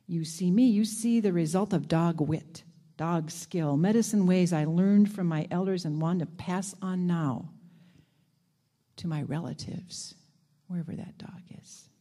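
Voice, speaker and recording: A woman reading aloud as a clever, proud old male dog, in a plain, unhurried storytelling voice. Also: on the low side, warm tone. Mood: wry.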